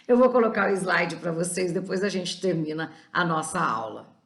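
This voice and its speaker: A woman teacher giving a class lecture in a relaxed, conversational way with personal asides. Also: fairly low pitch, moderate pace, creaky, echoey room.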